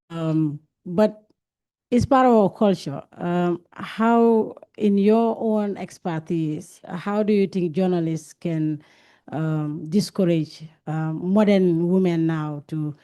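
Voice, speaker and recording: A woman's voice: on the low side, takes it slowly, warm tone, clear, resonant tone. A woman journalist from Gambia asking a question politely and hesitantly, with many fillers.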